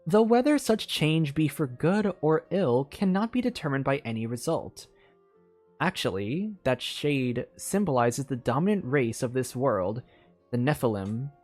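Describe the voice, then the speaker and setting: Game streamer, mid-pitched voice, casual read-aloud storytelling, informal asides, stumbles over words, music behind. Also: expressive, unhurried, a little mellow. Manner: informal, self-commenting, stumbles and repeats words while reading.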